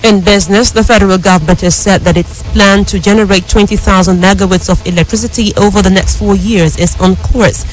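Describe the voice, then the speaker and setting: A woman with a Nigerian accent reads scripted radio news as an anchor, in a formal, measured way. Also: medium pitch, fairly even intonation, music in the background, rough recording. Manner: formal, measured newsreader delivery.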